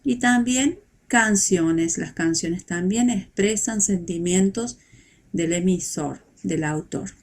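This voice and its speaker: Unhurried woman explaining a lesson. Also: on the low side. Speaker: teacher.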